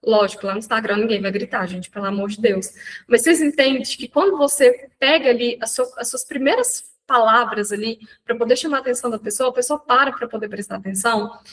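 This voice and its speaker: A Brazilian Portuguese-speaking woman mentoring an audience in a live online talk, chatty and animated, often restarting her sentences. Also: fairly high pitch, brisk, poor audio.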